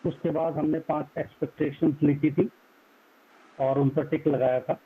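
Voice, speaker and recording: A man taking part in a group session, speaking quietly and a little hesitantly as he reports back. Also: on the high side, little pitch movement, normal speed, breathy edge. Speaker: session participant. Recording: thin phone-line sound from far off.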